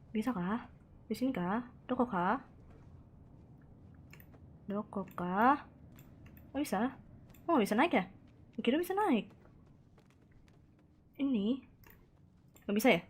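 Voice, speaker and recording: Chatty woman streamer, higher-pitched. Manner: chatty and exclamatory, reacting aloud and reading chat; sprinkles in Japanese words. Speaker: streamer playing a horror game. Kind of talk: live gameplay commentary.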